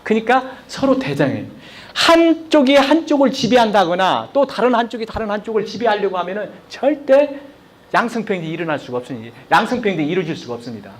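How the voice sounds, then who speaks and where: A man's voice: high-pitched, quick pace. A man giving a live lecture on communication, asking the audience questions and acting out example sentences. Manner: lively, questions the audience, acts out example lines.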